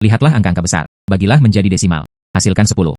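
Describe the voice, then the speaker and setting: A man voicing a poor but easygoing security-guard father in a dubbed drama, with a brisk, matter-of-fact delivery. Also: low-pitched, expressive, mellow, no echo, studio quality. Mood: patient.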